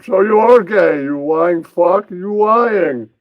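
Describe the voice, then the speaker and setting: A man's voice: sits high, animated, slow, no room sound, muffled recording. A man voicing a crude, bickering puppet in improvised adult comedy, blustering bluntly and babbling nonsense syllables.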